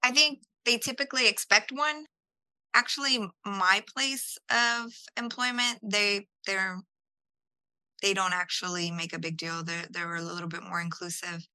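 A woman with a very bright, forceful voice talks through her answers in a chatty, unpolished way, often restarting her words. The recording is dry and close, with no room sound. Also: mid-range voice, fairly even intonation, moderate pace, no echo, poor audio. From El Salvador, raised in Houston. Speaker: podcast guest. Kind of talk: conversational interview answers.

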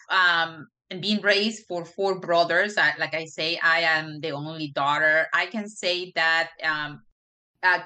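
A middle-aged woman with a Peruvian Spanish accent talks as a guest on an interview podcast. Her voice sits low yet sounds bright and forceful. She speaks earnestly and haltingly, with frequent fillers. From Peru. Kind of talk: interview conversation.

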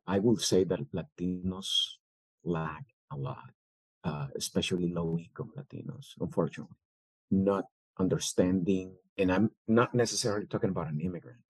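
Low-voiced man, dry close mic. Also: creaky, a little mellow, husky, dry recording, rough recording. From El Salvador. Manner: thoughtful, with many fillers and restarts. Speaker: guest, business owner. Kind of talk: interview answers.

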